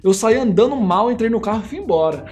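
A Brazilian man with a fairly high voice tells a story in a relaxed, chatty way. He is lively and acts out the other voices in it. Soft music plays under him. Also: fast talker. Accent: Brazilian Portuguese. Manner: animated, acts out voices in his stories. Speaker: missionary guest. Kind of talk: casual storytelling.

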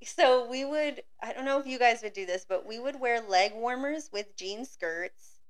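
A woman's voice: on the high side, normal speed. A woman in her thirties hosting a casual chat, chatty, with lots of fillers and frequent laughs. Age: 30s. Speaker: podcast host.

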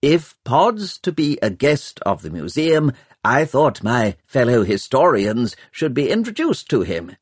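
A man voicing a kindly older male historian with a soft, husky voice. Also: medium pitch, very animated, unhurried, dry recording, pitched above the performer's own voice.

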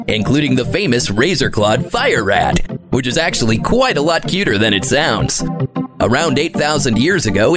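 A man's voice: mid-range voice, close to an everyday voice. A man voicing a cheery, pompous alien anthropologist who presents an educational show in a mock-scholarly documentary tone and calls himself "this anthropologist.". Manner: chipper documentary-host delivery, mock-scholarly, refers to himself in the third person. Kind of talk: comedy audio drama acting.

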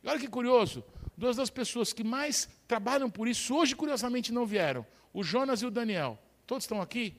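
A man's voice: very high voice, lively intonation, fairly quick. A male pastor with a Brazilian accent preaching a fervent sermon, repeatedly calling on the congregation for responses. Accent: Brazilian Portuguese.

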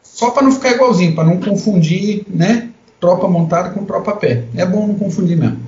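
A man's voice: high voice, a little fast, a little mellow, reverberant, dull audio. A Brazilian man co-hosting a podcast, explaining things in a conversational segment. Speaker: podcast co-host.

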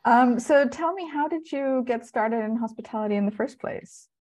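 A woman hosting a podcast, reading a measured intro and asking friendly questions on a remote call. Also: on the high side, a little mellow. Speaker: podcast host. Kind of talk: scripted intro and interview questions.

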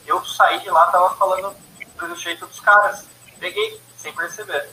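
A man's voice: high voice, fairly even intonation, normal speed, bright, forceful tone. A man chatting casually on a video call, rambling and repeating himself. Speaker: live stream participant, musician. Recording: echoey distant mic with faint noise.

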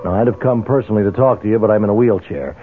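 An actor playing a determined, vengeful man in a radio drama, insistent and persuasive, with a husky voice. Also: on the low side, racing, over loud music, natural voice. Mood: grimly determined. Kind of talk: 1970s radio drama acting. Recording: narrow, phone-like old radio sound.

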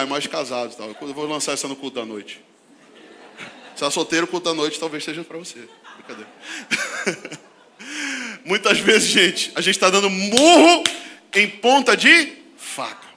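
A pastor from Brazil with a high, very bright and ringing voice preaches to his congregation. He moves between shouted emphasis and quiet, intimate asides, laughing often as he goes. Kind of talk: sermon.

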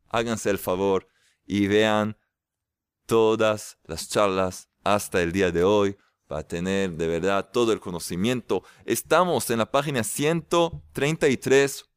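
A man giving a casual, lively spiritual lecture as a religious teacher, drawing out stressed words. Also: lowish voice, a little slow, smooth, no echo, clean studio sound.

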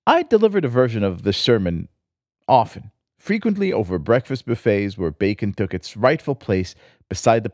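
A man's voice: lowish voice, a little mellow, dry recording, studio quality. A man from Israel, the host, reading a reflective personal essay in a wry, lyrical storytelling manner. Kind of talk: scripted personal essay narration.

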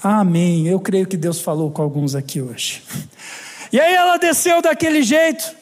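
High-voiced Brazilian pastor in a hall. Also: male voice, normal speed. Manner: humorous storytelling, chatty asides to the congregation. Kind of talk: sermon. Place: church hall. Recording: long hall reverb.

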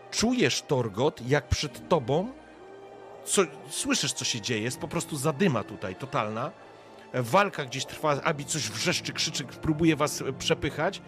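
A man's voice: medium pitch, a bit bright. A man running a tabletop game as game master, describing scenes directly to the players with frequent hesitations.

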